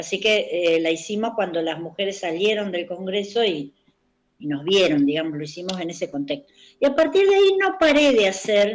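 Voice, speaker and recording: This woman has an ordinary speaking voice at a medium pitch. Her pace is moderate, with ordinary pitch variation. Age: 60s. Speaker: dancer and activist. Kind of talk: interview.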